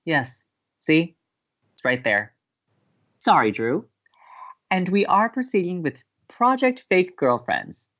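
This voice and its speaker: Expressive, low-voiced young romantic played by a woman. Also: takes it slowly, pauses often, highs cut off, exaggerated voice. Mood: earnest. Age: young adult. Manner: earnest, expressive. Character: college radio co-host, sweet, earnest, sentimental romantic. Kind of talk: naturalistic audio drama banter.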